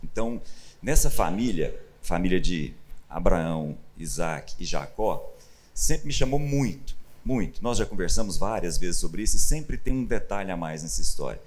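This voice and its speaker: A Brazilian man with a lowish voice, a pastor explaining scripture in easy conversation. He tells the story with animated bursts, acting out the quotes. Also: moderate pace, breathy edge. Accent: Brazilian Portuguese. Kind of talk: conversational Bible teaching.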